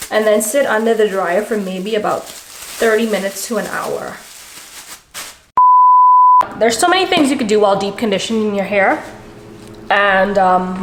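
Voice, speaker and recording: A young woman talks through her hair routine in a loose, chatty vlog manner, stopping to correct herself and search for words as she goes. Her voice sits at an ordinary middle pitch. The recording carries a noticeable room echo with a faint hum underneath. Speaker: beauty vlogger. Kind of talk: casual hair-care vlog. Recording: echoey home room, faint ambient noise.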